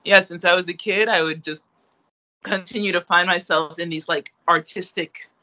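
A man's voice: high voice, steady tone, normal speed, sharp tone. A young man chatting in an interview, rambling with many fillers and restarts. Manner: rambling, lots of fillers and restarts, laughs easily. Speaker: interviewee, artist. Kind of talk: casual interview chat.

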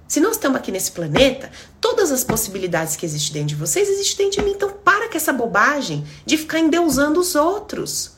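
A Brazilian-accented woman in middle age, holding forth on a live stream as a therapist. Her voice sits fairly high and swoops up and down with lively expression. She talks bluntly and with emphasis, playing out little exchanges as she goes. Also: a little hiss or hum. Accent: Brazilian Portuguese. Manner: blunt, emphatic, acts out dialogue. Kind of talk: casual live-stream monologue.

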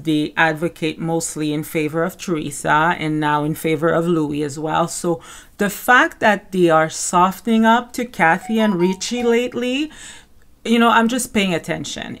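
Woman, Caribbean French accent, slightly low voice, podcast host, casual gossip commentary, conversational, checks in with listeners. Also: unhurried, fairly bright tone.

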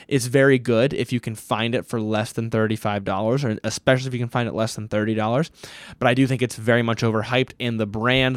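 A man's voice: medium pitch, no room sound, studio quality. A man hosting a solo question-and-answer podcast, talking casually and thinking aloud. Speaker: podcast host.

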